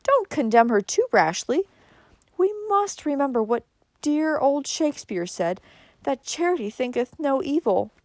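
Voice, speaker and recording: A prim, superstitious lady cousin from a storybook, voiced by a woman narrator, speaking in a genteel, sniffing manner. Her voice is high and lilts up and down, recorded dry. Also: very animated, measured pace, darkish tone, dry recording. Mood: soothing.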